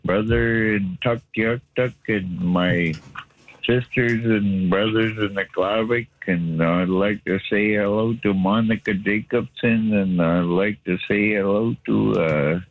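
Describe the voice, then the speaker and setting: Slow-talking male radio caller. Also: fairly low pitch, steady tone, phone-quality sound. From Canadian Arctic. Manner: slow, listing greetings with pauses. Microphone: phone line.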